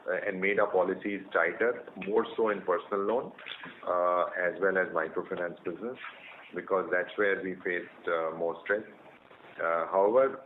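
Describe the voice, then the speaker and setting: Deep-voiced Indian executive on phone line. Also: male voice. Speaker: company executive answering analysts. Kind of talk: earnings call commentary. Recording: narrow phone line with faint noise.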